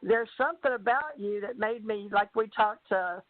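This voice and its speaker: A woman's voice: mid-range voice, normal speed. A woman co-host who speaks politely and welcomingly in an interview. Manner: polite, warm, says ma'am. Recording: dry, phone-like call audio.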